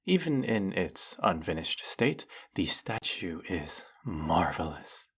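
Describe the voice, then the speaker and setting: Man voicing a deep, husky, fawning demon servant. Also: sing-song, slow pace, fairly bright tone, exaggerated voice. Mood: dutiful, adoring. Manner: over-the-top reverent, formal, dramatic. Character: fawning, lovestruck, fanatical male demon servant. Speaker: voice actor. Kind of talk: theatrical fantasy audio roleplay monologue.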